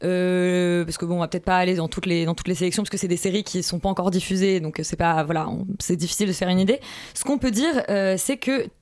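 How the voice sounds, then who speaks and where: A woman's voice: fairly low pitch, a little mellow. Playful woman hosting a radio show. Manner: brisk and playful, leads the segments. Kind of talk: casual radio chat.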